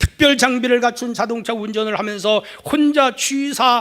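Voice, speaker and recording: This man's voice sits at an extremely high pitch, with lively intonation and an animated tone. His pace is fairly slow, and there is noticeable background noise. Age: 60s. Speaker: pastor. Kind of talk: sermon.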